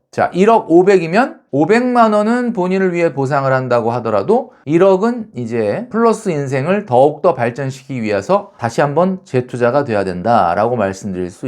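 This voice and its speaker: A middle-aged man hosting a personal finance channel, giving a measured, scripted lecture that moves step by step with frequent markers like "so, now". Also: a little high, a little mellow. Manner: measured explainer, frequent "자" to mark steps.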